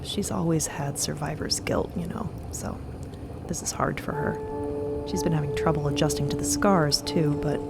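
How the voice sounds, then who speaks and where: Woman playing a low-voiced, caring crew woman. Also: moderate pace, gravelly, loud music behind the voice. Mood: worried, hesitant. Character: friendly, caring, plain-spoken crew woman. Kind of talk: audio drama character acting.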